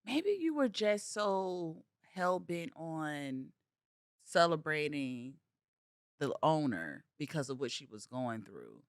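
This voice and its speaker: A woman's voice: deep voice, sing-song, takes it slowly, no echo, studio quality. A woman co-hosting a podcast in casual chat, a supportive listener who chimes in and gives advice. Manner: supportive listener, lots of mm-hmms and laughs. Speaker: podcast co-host.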